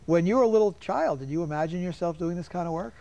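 A man's voice: sits high, fast talker, gravelly, warm tone. An older man in his seventies from New York, hosting a casual TV studio interview and telling stories with frequent laughs. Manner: chatty, storytelling, laughs often. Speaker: host.

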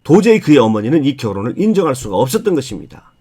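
A man giving an explanatory, storytelling lecture on literature, speaking in measured, emphatic phrases with polite endings. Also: mid-range voice, sing-song, dark tone. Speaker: book narrator and lecturer.

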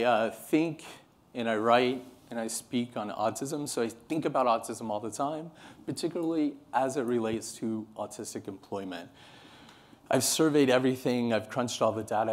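A man in his thirties from California with an American accent, giving an earnest, passionate conference keynote to a seated audience. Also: mid-range voice. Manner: earnest, animated, passionate delivery. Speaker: keynote speaker. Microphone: podium microphone, moving around the stage.

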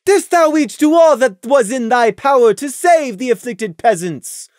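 A stern royal mare who speaks in thee and thou, pitched high and loud, as a reader puts her on. Her speech swings widely in tone, imperious and commanding. The recording is dry and close. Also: expressive, measured pace, no echo. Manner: archaic formal speech, commanding. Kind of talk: audiobook reading of fan fiction.

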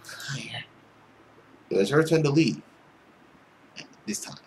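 A young man reading a visual novel aloud dramatically, with an expressive, theatrical manner. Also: mid-range voice, slow pace, slight background noise. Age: young adult. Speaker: let's play host. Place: small indoor room at home. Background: music.

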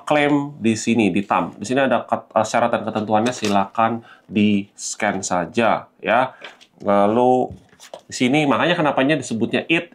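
A man with a fairly low voice presents a product unboxing. He explains in a casual, conversational way, speaking to viewers like friends. English terms are mixed into his talk. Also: a little hiss or hum. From Indonesia. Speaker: gadget reviewer and vlog host.

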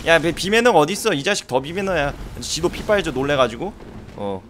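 Male gameplay streamer, excitable and foul-mouthed, animated, slightly high voice. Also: a little fast, background noise. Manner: excitable, swears at opponent; swings from muttering to shouting. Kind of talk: live gameplay commentary.

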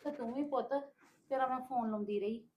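An actress playing a middle-aged mother who is worried and gently scolds her daughter. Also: fairly high pitch, steady tone, a little fast, lo-fi sound, natural voice.

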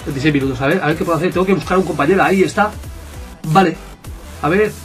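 A man with a Spain Spanish accent, giving excitable, jokey gameplay commentary and bantering with his viewers. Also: on the high side, racing, soft background music. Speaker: gaming YouTuber.

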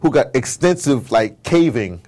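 A warm, expressive, medium-pitched male voice, a little slow. The speaker, an American audio drama producer appearing as a guest in a casual interview, tells rambling, opinionated stories, regularly wandering off topic and acting out exchanges.

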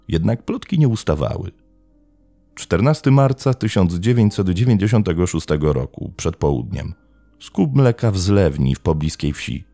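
A man telling a true-crime story as a scripted narration, in a measured, dramatic way. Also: rumbling low, warm tone.

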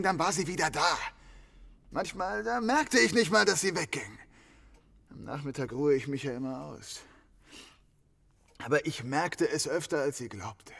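Distraught innkeeper confessing male actor, audio drama. Gravelly, highish male voice, halting, sometimes dropping to a whisper. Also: fairly bright tone, full character voice. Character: distraught innkeeper confessing to killing his wife.

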